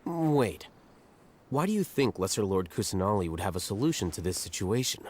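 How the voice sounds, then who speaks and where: A man playing an arrogant, cool-headed scholar in a fantasy video game, speaking in a measured, formal, condescending way. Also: lowish voice, sing-song, darkish tone. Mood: coolly analytical. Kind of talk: scripted video game dialogue.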